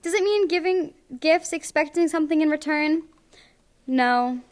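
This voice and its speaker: A young woman reading a picture book aloud to children in clear, deliberate phrases at a library. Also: high-pitched, slight background noise. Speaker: volunteer storybook reader. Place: public library, indoors.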